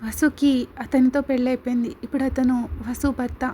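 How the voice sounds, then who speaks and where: A woman's voice: high-pitched, flat delivery, moderate pace, dark tone, a little hiss or hum, close to an everyday voice. A woman reading the part of a middle-aged mother who speaks apologetically but firmly. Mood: apologetic. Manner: apologetic and firm.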